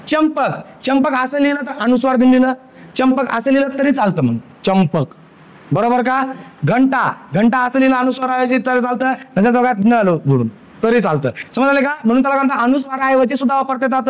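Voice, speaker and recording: A male teacher with a Marathi accent leads a grammar lesson in a strikingly high voice. He quizzes the class and answers his own questions, then sounds out letters slowly one after another. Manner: drills by asking questions and answering them himself.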